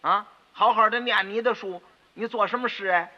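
A male storyteller voicing a humble, anxious old tofu-shop father who placates visitors and scolds his son gently, on a dull radio recording with long reverb. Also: high voice, normal speed, pitched above the performer's own voice, lightly acted. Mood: placating.

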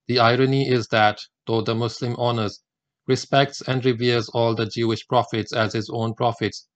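A man, a Gujarati speaker, delivering a prepared religious lecture in a measured, deliberate way that counts off his points. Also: medium pitch, no room sound. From India.

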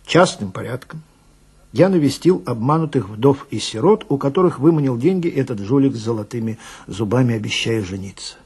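A man playing a chatty, grumbling police detective who tells his story wryly and confidingly, with dramatic pauses, in a radio reading with a gravelly, husky voice. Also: mid-range voice, lively intonation, a little mellow. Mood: disgruntled.

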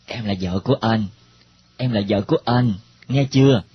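A man's voice: medium pitch, normal speed, a little hiss or hum, natural voice. Guy voicing a shy sweet husband, hesitant, lo-fi audio. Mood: tender. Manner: hesitant, gentle. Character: devoted, bashful young husband. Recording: dull lo-fi recording.

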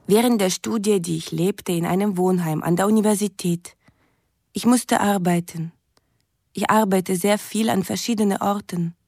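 A woman's voice: mid-range voice, fairly even intonation, moderate pace, a little mellow, no room sound, clean studio sound, natural voice. A woman playing an earnest Russian in her thirties in a radio play, reciting formal letters in broken grammar. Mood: earnest, shy. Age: 30s. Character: earnest young Russian woman writing romance emails.

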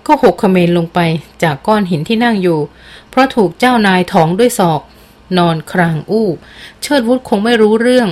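A woman narrating an adventure novel as an audiobook in a steady, measured reading. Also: on the high side. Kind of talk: scripted narration.

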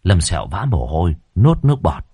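A man narrating a ghost story in a vivid, lively way. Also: sits low, fairly quick, breathy edge, no echo, clean studio sound. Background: faint background music.

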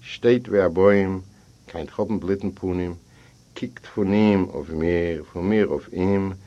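A native Yiddish speaker reading a first-person story aloud, acting out each character in the dialogue. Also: male voice, low voice, slow pace, mellow. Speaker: audiobook reader. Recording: dull lo-fi recording.

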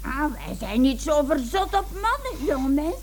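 A woman's voice: sits high, very animated, unhurried, slight background noise. An actress playing a gleefully menacing old grandmother in a radio play, chanting and repeating herself.

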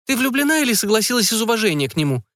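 A man voicing a fussy, excitable middle-aged mother who fires off anxious questions. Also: high-pitched, rapid-fire, no echo, clean studio sound, voice pushed up. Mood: prying. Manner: fretful, breathless questioning.

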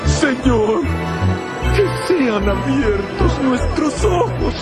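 A male actor voicing blind beggars crying out and pleading for mercy, over loud music and crowd. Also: very high-pitched, big pitch swings, heavily acted. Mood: desperate pleading. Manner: slow, pleading cries.

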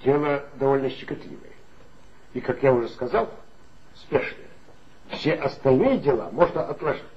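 An actor playing an anxious, pompous police chief in a 1960s radio play, talking insistently and emphatically. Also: male voice, mid-range voice, expressive, moderate pace, long pauses, close to an everyday voice. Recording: dull 1960s studio recording.

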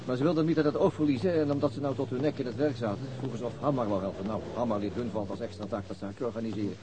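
A man's voice: mid-range voice, very fast, noisy background, lightly acted. An actor playing a level-headed police detective and father in a naturalistic radio drama, with a dry, matter-of-fact and slightly hesitant manner.

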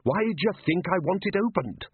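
A man voicing a blustering, bossy older male head wizard in a loud, pompous way. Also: high-pitched, animated, brisk, slight background noise, voice pushed up. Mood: impatient. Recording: tinny phone-like band.

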